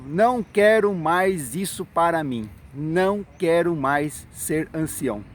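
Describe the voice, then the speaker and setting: Animated man telling a story. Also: fairly high pitch, takes it slowly, slight background noise. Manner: animated, acts out quoted dialogue, frequent "né?" and "certo?" tags. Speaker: former congregation elder telling his story. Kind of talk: personal storytelling monologue.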